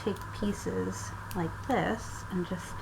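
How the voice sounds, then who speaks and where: Slow-talking woman crafting and thinking aloud. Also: medium pitch, steady tone, gravelly. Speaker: craft vlogger. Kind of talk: casual craft tutorial narration. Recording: audible background noise.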